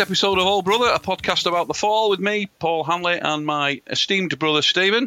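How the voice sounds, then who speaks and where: Projecting loudly in a Mancunian accent, a man with a high pitch and a bright, sharp tone talks fairly quickly with ordinary pitch variation. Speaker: podcast host and former band musician. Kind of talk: casual chat; scripted introduction.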